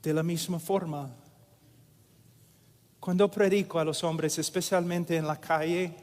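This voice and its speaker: Slow emphatic male preacher, reverberant hall. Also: a little high, fairly even intonation, darkish tone. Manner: slow and emphatic, repeating phrases. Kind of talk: sermon.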